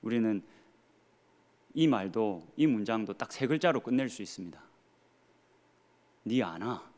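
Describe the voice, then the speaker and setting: Speaking unhurriedly with an expressive delivery, the thirty-something pastor from Gyeongsang has a voice on the low side with a darkish tone. His earnest preaching leans on rhetorical questions and dry humor, all in a Gyeongsang Korean accent.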